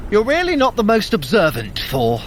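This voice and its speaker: A man's voice: high voice, huge pitch swings, normal speed, noisy background. A man voicing a trickster god in an audio drama, a wry, teasing younger brother with a breezily unbothered manner.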